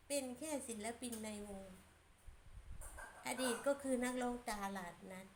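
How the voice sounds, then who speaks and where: A woman's voice: on the high side, unhurried, slight background noise. A woman giving a blunt, scolding opinion monologue as a channel commentator.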